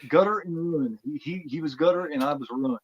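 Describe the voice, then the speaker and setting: Male interview guest, quick rambling storyteller, animated, stumbles over words. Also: fairly high pitch, highs cut off, a crowd in the background. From Indiana, US. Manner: rambling, animated, repeats words when excited. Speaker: interview guest, former wrestler. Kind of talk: casual storytelling.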